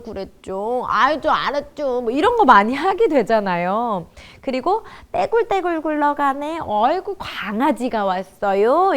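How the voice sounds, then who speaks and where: A woman lecturing on parenting to a class, chatty, asking the audience questions and acting out what parents and children say. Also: high voice. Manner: acts out parents and children in quoted lines. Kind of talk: community education lecture.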